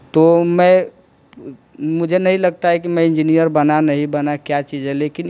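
Speaking at a fairly slow pace, a man has a fairly high pitch and a dark, mellow tone. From Uttar Pradesh, India. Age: 20s. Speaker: teacher running a free school. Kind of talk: interview; interview answer. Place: home room. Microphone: handheld.

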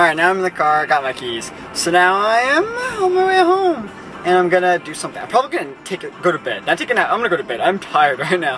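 A man speaks very fast, with music clearly audible behind him. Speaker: vlogger. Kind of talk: casual vlog chat. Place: car. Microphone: phone near.

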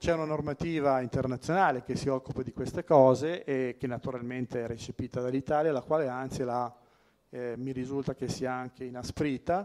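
This man speaks fairly quickly, his medium-pitched voice holding a fairly even intonation. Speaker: geology professor. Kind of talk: lecture. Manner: halting.

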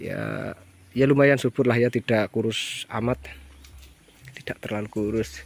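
A man talks at a moderate pace with ordinary pitch variation, in a dry sound with no echo. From Central Java (Banjarnegara); Central Java. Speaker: bonsai hobbyist YouTuber. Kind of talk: casual vlog tour. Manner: rambling, filler-heavy. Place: garden. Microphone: phone near.

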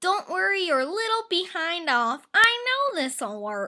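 Cartoonish and character-like, the voice sits at an extremely high pitch and moves at a moderate pace with very wide pitch swings. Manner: excited, upbeat.

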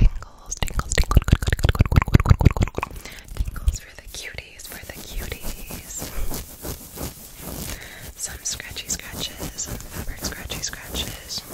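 A soft-spoken, whispering woman at a very slow pace, with long, frequent pauses over loud background noise. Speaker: ASMR creator. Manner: soft close-mic ASMR whisper. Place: home room. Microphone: studio mic.

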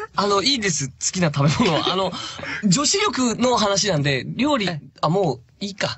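A man speaks in a high voice with very wide pitch swings. His pace is moderate, and noticeable background noise is present. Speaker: voice actor. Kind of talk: radio talk show banter.

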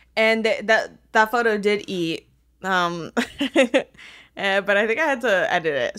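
A woman's bright, sharp voice at a moderate pace, with ordinary pitch variation and a quiet background. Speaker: podcast co-host. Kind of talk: casual podcast chat. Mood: playful, laughing. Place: home room. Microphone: studio mic.

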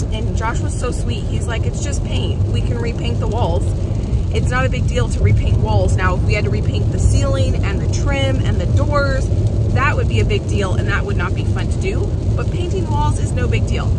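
Despite loud background noise, a woman speaks at a moderate pace, with a dry sound and no echo. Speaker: homestead vlogger. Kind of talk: casual vlog chat. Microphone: phone near.

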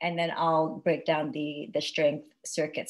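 The speed sits at a moderate level. A woman does the talking. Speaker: fitness instructor. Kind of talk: class instruction. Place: garage. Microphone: video call.

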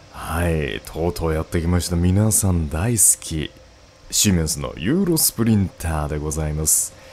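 With noticeable background noise behind him, a man talks at a moderate pace in a very deep, low pitch with ordinary pitch variation. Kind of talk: game commentary.

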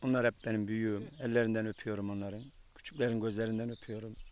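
A man's monotone, flat intonation in a dry sound with no echo. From Turkey. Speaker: farmer. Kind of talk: casual interview. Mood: warm, grateful greetings. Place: garden.

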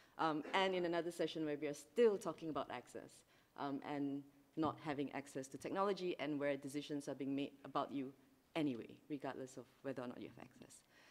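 A woman with a Malaysian accent speaks at a fairly quick pace in a very deep, low voice. Her pitch varies in an ordinary way, while her loudness swings widely. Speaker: panelist. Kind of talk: panel discussion. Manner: animated. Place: meeting room. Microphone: podium.

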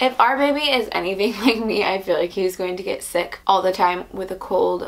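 Ordinary pitch variation at a moderate pace. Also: woman. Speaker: vlogger. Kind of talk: casual vlog chat. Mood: cheerful, chatty. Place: home room. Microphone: camera far.

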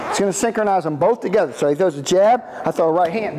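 A high-pitched man speaking at a fairly quick pace with ordinary pitch variation, over noticeable background noise. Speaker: boxing coach. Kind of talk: tutorial. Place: gym.

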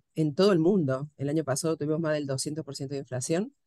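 In an Argentine accent, a woman speaks at a very deep, low pitch with ordinary pitch variation, in a dry sound with no echo and a quiet background. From Argentina. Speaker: civil rights case investigator and real estate agent; radio guest. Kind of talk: radio interview. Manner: hesitant, many fillers. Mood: friendly, relaxed. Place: office. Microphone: video call.

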